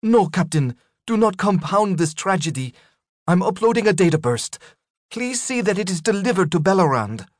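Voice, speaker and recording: A man voicing a calm, professional female starship captain who gives steady, measured commands. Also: high voice, no echo, studio quality, pitched above the performer's own voice. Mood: urgent, controlled.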